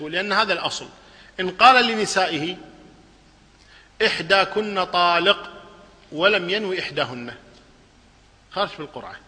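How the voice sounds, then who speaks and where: A man's voice: high-pitched, big-room sound. A man teaching a religious lesson, explaining a text and asking his class questions that he then answers himself. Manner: lively, asks the class questions and answers them. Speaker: Islamic scholar teaching a lesson.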